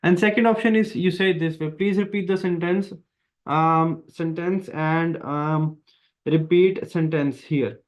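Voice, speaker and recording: A man's voice: a little high, steady tone, a little slow. A man with an Indian accent, an exam prep teacher explaining test tasks in an online lesson, speaking emphatically and repeating his key points. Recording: dull lo-fi sound.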